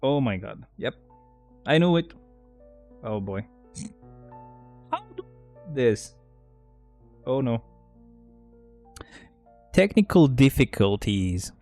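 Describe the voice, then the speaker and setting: A laid-back male game streamer talking slowly and casually to his chat, breaking into jokes and laughing at himself. His voice sounds close and dry, with faint game music playing underneath. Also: medium pitch, sing-song, darkish tone, no echo. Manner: joking, rambling, laughs at own bits.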